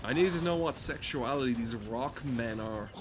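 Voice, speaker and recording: A man with a medium-pitched voice and moderate pace gives casual gameplay commentary, swearing, joking and often muttering to himself. Video game sounds make a noisy background.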